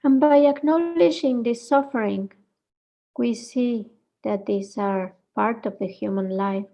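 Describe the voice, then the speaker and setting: A woman leading a guided meditation, speaking gently in short phrases with reflective pauses between them. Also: on the high side, creaky.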